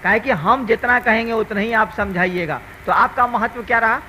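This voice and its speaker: A man's voice: high-pitched, moderate pace, pushed and bright, slight background noise, low-quality recording. An older man giving a spiritual discourse as a teacher, telling stories in a conversational, earnest and emphatic way.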